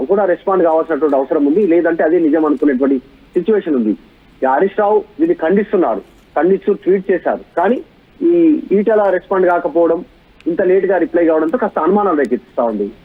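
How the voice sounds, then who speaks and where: A husky-voiced man gives live news analysis at a quick pace. He stacks points in repeated lists and rhetorical questions, over dull lo-fi broadcast audio. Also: on the high side, animated.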